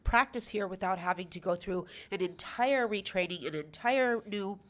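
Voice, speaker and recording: A woman's voice: medium pitch, moderate pace. A woman hosting a conversational radio interview, emphatic and repeating phrases for stress.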